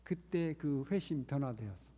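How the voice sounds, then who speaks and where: A man's voice: medium pitch, lively intonation, normal speed, warm tone. A man who is a missionary preaching a sermon, telling a story earnestly. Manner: earnest storytelling, acting out quoted voices. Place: church sanctuary. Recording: reverberant church hall.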